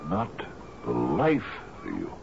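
A very deep older sea captain, his voice rising and falling dramatically. He is eager and anxious, stammering and pleading as a host who wants to please. It sounds like a muffled, noisy old radio drama. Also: wildly swooping pitch, takes it slowly, gravelly, a little mellow, heavily acted. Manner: stammering, repeating himself, questioning insistently. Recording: dull, noisy vintage radio drama broadcast.

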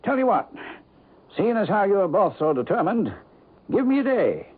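An actor playing a folksy, sly small-town real estate agent with a New England accent in a radio drama. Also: male voice, high voice, big pitch swings, moderate pace, slightly rough, full character voice. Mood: sly, coaxing. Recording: tinny old radio broadcast.

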